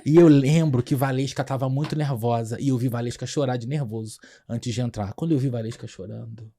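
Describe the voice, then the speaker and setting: A young Brazilian man, a comic actor, telling lively anecdotes on a podcast and often breaking into laughter. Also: medium pitch, brisk. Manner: animated, laughing, acts out scenes. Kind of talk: casual anecdotal storytelling.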